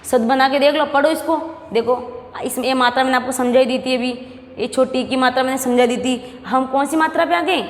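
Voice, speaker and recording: A woman teaching a lesson to young pupils with a Rajasthani Hindi accent. She asks questions, answers them herself, and repeats each word slowly. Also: high-pitched. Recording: echoey room with long reverb.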